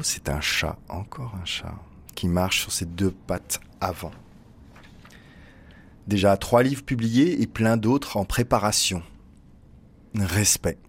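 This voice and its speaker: A man reading a literary first-person text as narrator, in an intimate, measured way. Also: sits low, slight background noise.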